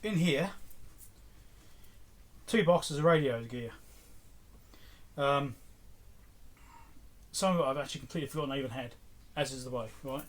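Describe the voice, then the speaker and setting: Rambling through an unscripted show-and-tell, a middle-aged electronics repair video host chats casually at normal speed with long pauses. His voice sits at medium pitch, and the recording carries clear background noise and clicks.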